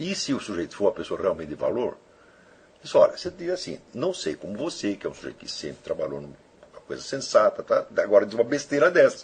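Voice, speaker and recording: His loudness shifts in big swings. The man talks at a very fast pace. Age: 60s. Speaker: teacher. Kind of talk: lecture. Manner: animated.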